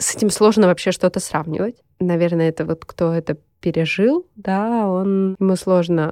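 The sound is dry and close with no echo as a woman speaks at medium pitch and with fairly even intonation against a quiet background. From Moscow, Russia. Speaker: bakery business owner. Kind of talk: interview.

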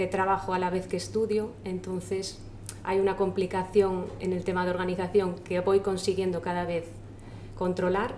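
A woman is talking here, her pitch medium. Noticeable background noise sits behind her. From Asturias, Spain. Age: 30s. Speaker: police exam candidate. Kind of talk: testimony.

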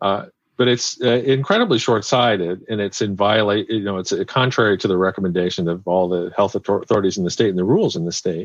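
Talking very fast with an American accent, a man speaks at a fairly low pitch. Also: ordinary pitch variation, quiet background. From US Midwest. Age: 60s. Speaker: author and magazine writer. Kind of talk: interview. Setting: phone or video call.

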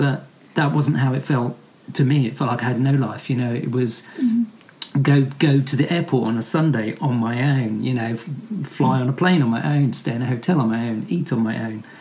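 Noticeable background noise sits behind a man's voice. He talks at a moderate pace in a medium pitch with ordinary pitch variation. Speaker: property investor. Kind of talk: interview.

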